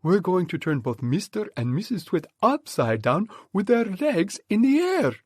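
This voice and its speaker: A man voicing a clever, bossy monkey father in a storybook audiobook, with an excited, commanding manner. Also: sits high, measured pace, slightly rough, no echo, studio quality, voice pushed up, exaggerated voice. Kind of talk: audiobook character voice.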